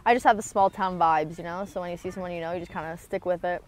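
A woman's voice: on the low side, steady tone, quick pace. A young adult woman from small-town Ontario with a Canadian accent, answering casually and slangily as an athlete being interviewed outdoors. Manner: informal, slangy. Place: outdoor sports field.

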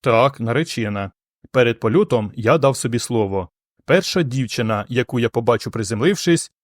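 A man voicing a weak, dazed young astronaut who talks slowly and faintly in an audiobook. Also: mid-range voice, animated, no room sound, clean studio sound, close to an everyday voice. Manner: slow, faint.

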